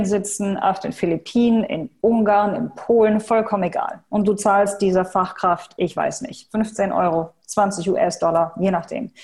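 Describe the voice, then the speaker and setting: Her voice somewhat breathy, a woman talks at medium pitch and a moderate pace with ordinary pitch variation. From Germany, Hanover. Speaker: personal branding expert, keynote speaker. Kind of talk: interview.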